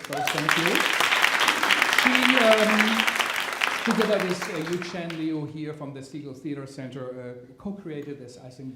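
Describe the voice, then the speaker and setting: A man at a theater event stumbles through his welcome speech, pausing often with fillers and restarting phrases. His mid-range voice rings through a roomy hall. A faint hum of noise sits under it. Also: medium pitch, bright, forceful tone. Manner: halting, with many fillers and restarts. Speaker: event organizer giving welcome remarks. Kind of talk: live welcome speech to an audience. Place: theater auditorium at a live event.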